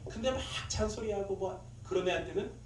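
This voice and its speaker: A male pastor preaching a sermon with lively delivery, often acting out scolding voices in his stories and laughing at himself. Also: high-pitched, fairly quick, far from the mic. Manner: animated, acts out scolding in quoted lines, laughs at own stories. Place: church sanctuary. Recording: echoey room, speaker away from mic, faint noise.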